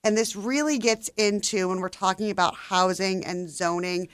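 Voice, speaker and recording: A woman's voice: medium pitch, steady tone, normal speed, clear, resonant tone, no echo, clean studio sound. A woman co-hosting a podcast, talking through her reading in an earnest, explanatory way. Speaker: podcast co-host. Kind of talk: casual book chat.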